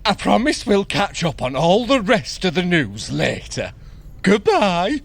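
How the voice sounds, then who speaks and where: A man's voice: high-pitched, wildly swooping pitch, measured pace, creaky, a little hiss or hum, voice pushed up, heavily acted. An actor playing a trickster god who puts on the voice of a breezy, chatty female servant in an audio drama. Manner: breezy, chatty, falsely cheerful.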